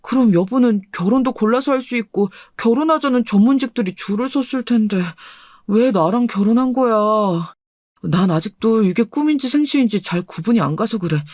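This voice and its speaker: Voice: medium pitch, moderate pace, darkish tone, dry recording, studio quality, close to an everyday voice. A performer voicing a humble, sweet-natured young husband who speaks eagerly and earnestly in a storybook radio drama.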